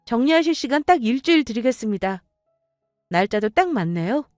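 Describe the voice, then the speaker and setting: A young woman narrating a dramatized story in a sharp, indignant way. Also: fairly high pitch, big pitch swings, brisk, no echo, studio quality, faint music behind.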